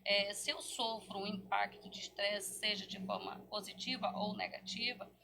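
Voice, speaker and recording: A Brazilian woman speaking as a specialist guest in an interview, explaining didactically and pausing to find words. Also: mid-range voice, steady tone, vocal fry. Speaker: hair therapy specialist guest.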